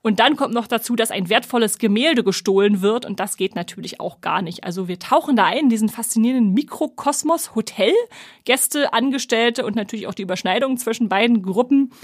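A woman's voice: on the high side, fairly quick, breathy edge, no room sound, clean studio sound. A woman co-hosting a casual podcast, presenting new series in a chatty, upbeat way with lots of fillers. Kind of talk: casual chat.

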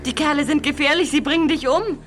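A young male actor playing an excitable, anxious boy detective in an audio drama, speaking urgently and dramatically. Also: very high voice, fast talker, background noise. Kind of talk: German audio drama acting.

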